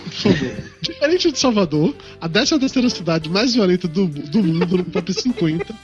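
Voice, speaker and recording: A man reads listener mail on a casual podcast, breaking off for jokes. He talks quickly, and the recording sounds dull and lo-fi. Faint music sits underneath. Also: sits high, very animated, a little mellow. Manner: reads aloud with playful joking asides. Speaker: podcast host reading listener e-mails.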